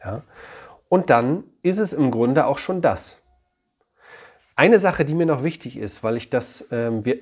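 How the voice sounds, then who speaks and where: A man in his thirties, a psychologist, giving direct advice on parenting and then gently questioning his young son. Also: mid-range voice, husky. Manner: direct and explanatory, often checks in with "ja?". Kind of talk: advice talk to camera, then chat with his child.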